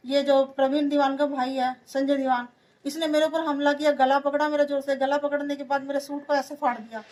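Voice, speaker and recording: A woman giving a long account to a reporter, pausing on hesitant fillers as she recounts. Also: high-pitched, little pitch movement, darkish tone, rough recording. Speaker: interviewee, a journalist's wife. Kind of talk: emotional testimony to a reporter.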